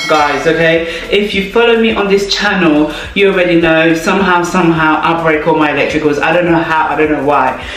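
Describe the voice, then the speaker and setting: A woman vlogging an unboxing, joking and exasperated, talking in long, drawn-out stretches. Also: medium pitch. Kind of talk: casual unboxing chat. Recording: very roomy, from a distance.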